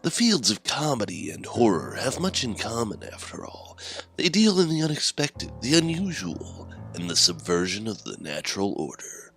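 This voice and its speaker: A man hosting a horror anthology, introducing stories in scripted, theatrical and measured narration. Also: on the low side, huge pitch swings, fairly bright tone. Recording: music under the voice.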